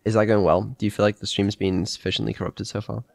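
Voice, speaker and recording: A man's voice: fairly low pitch, level tone, quick pace, vocal fry, a little mellow, no echo. A man streaming a game and chatting casually, with understated, dry reactions. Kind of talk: casual chat while gaming.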